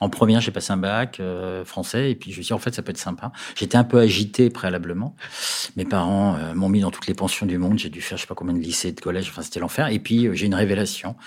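Loudness swings widely as a man talks very fast at a fairly low pitch with ordinary pitch variation. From Paris. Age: 50s. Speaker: marketing executive. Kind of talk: interview.

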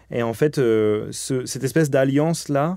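Pitched fairly high for a man, his speech shows ordinary variation in pitch. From Normandy, France (Caen). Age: 30s. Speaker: electronic music composer. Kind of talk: interview monologue. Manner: hesitant, many fillers.

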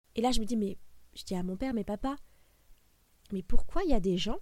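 A woman's voice comes through at a fairly high pitch. The recording is very clean and the background silent. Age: 30s. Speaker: podcast host. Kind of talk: casual monologue.

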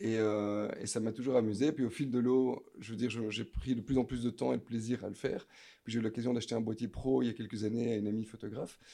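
Over a silent background in a very clean recording, a man talks very fast at medium pitch, his tone dark and mellow and his intonation fairly even. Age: 30s. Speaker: photographer, former salesman. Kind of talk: interview. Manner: halting.

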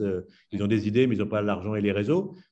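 Over a quiet background, a man with a medium pitch and a dark, mellow tone speaks at a fairly quick pace. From France, Blois (Loir-et-Cher). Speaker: nonprofit founder. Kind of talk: interview.

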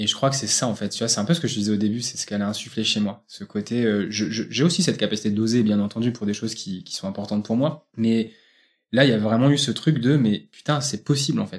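The recording is very clean against a silent background. A man speaks very fast. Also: medium pitch for a man, ordinary pitch variation. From France, Centre region (Bourges). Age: 30s. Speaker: love coach. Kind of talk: interview about personal love story. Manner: casual, hesitant with fillers.

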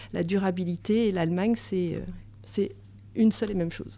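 At a moderate pace, a woman of medium pitch speaks with ordinary pitch variation and a dark, mellow tone. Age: 40s. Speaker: tourism board director. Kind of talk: interview.

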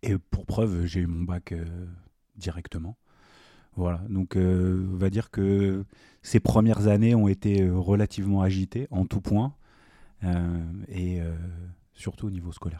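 A man with a very deep, low pitch and a dark, mellow tone speaks at a fairly slow pace with fairly even intonation. Long, frequent pauses occur on a very clean recording with a silent background. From Paris, France. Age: 30s. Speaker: psychotherapist and former boxer. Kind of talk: interview.

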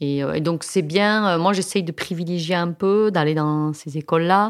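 A fairly low-pitched woman's voice with ordinary pitch variation, in a very clean recording over a silent background. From Aveyron, southern France. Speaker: scientist. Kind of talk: interview.

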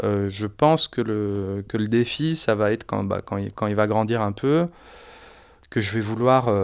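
His pitch sits fairly low for a man. The rise and fall of his voice is ordinary. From France and Egypt. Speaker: parent, heritage Arabic speaker. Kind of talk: testimony. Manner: halting.

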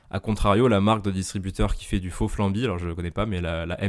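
At a fairly quick pace, a man with a very deep, low pitch speaks in fairly even intonation, captured in a very clean recording with a silent background. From Bordeaux suburbs, France. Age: 30s. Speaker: former wine product manager. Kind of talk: casual interview.

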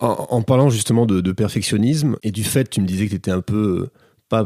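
This man has a fairly low pitch and a dark, mellow tone, speaking at a moderate pace with ordinary pitch variation in a dry, close recording with no echo, very clean with a silent background. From southern France, Toulouse. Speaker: podcast host. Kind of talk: casual interview. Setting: guest's home studio.

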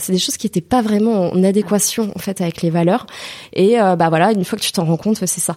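Speaking very fast, a woman uses a medium pitch with ordinary pitch variation and a dark, mellow tone. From Lorraine, Moselle near Thionville, France. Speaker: entrepreneur. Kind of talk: interview. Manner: hesitant, many fillers.

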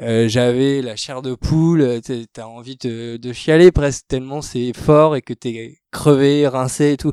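Very slowly and with big swings in loudness, a man speaks at a medium pitch in a dark, mellow tone with fairly even intonation, on a very clean recording with a silent background and a dry, close sound with no echo. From Brittany, France. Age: 30s. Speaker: property developer executive. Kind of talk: interview.

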